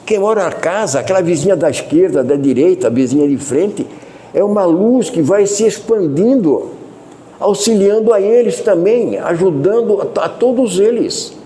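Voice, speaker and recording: A Brazilian man gives a spiritist lecture in a loud voice that never drops, turning to the audience with asides and questions. His pitch sits a little high and swings widely through each phrase. The tone is mellow and warm rather than bright. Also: animated, normal speed, a little hiss or hum. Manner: loud, unchanging speaking voice that he cannot lower; conversational, addresses listeners with asides and questions. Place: spiritist center meeting hall.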